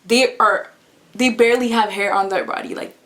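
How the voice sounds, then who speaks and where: A woman's voice: medium pitch, fairly even intonation, moderate pace, fairly bright tone. A young woman vlogging to camera in a casual, earnest way, often laughing and repeating her phrases.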